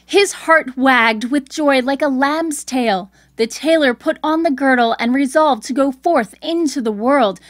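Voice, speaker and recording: A woman with a fairly high voice narrates a scripted tale as host. Her storytelling is clear, and the recording is close and dry. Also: dry recording.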